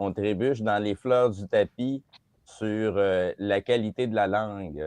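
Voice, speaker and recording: In a Quebec accent, a man speaks at a very slow pace. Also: fairly low pitch for a man, fairly even intonation. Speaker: radio co-host. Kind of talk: casual chat.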